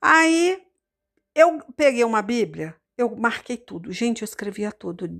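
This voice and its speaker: Very animated yet a little slow, this Carioca woman from Rio de Janeiro preaches informally, weaving in her personal testimony. Her voice sits a little high with vocal fry and a fairly bright tone, and as a missionary she repeats words, uses many fillers, and speaks in asides to the congregation.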